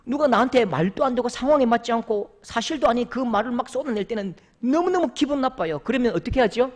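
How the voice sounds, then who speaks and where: Animated Gyeongsang pastor telling stories. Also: male voice, very high voice, fast. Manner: storytelling, humorous, animated. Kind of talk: sermon. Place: church.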